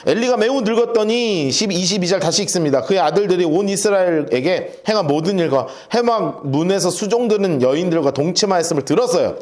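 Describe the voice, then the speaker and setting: A male pastor gives a Bible study sermon in a church, speaking casually and colloquially. His voice sits high and his pace is brisk with few pauses. He's lively and often acts out little scenes.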